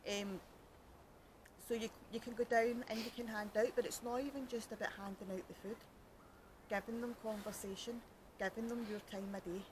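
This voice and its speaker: A woman's voice: a little high, steady tone, normal speed, background noise. Chatty Glaswegian woman outdoors. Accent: Glaswegian Scottish. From Scotland. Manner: chatty, joking, self-mocking, rambling. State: cold, fingers freezing. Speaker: podcast host. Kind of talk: casual chat. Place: outdoors by a canal at night.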